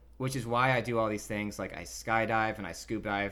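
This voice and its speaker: Speaking fairly quickly with an American accent, a man uses a fairly low pitch with vocal fry. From Washington State, US. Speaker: actor and comedy writer. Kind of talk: casual chat.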